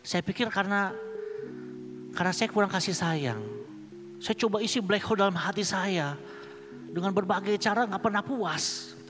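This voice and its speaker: A man's voice: high voice, moderate pace, pauses often. A man giving a personal testimony sermon at a conference, telling his story in a casual, humorous way with slang, on a stage microphone. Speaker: conference speaker. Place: large conference hall. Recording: long hall reverb with music underneath.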